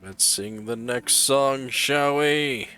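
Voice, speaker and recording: A man's voice: medium pitch, slow, bright, forceful tone, soft background music. A man giving casual, playful commentary as he hosts a gaming video.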